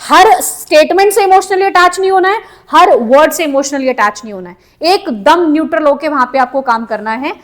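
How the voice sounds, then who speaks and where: High-voiced woman teacher, Hindi-English mix. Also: animated, normal speed. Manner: mixes Hindi and English, addresses students by name. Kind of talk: online class lecture.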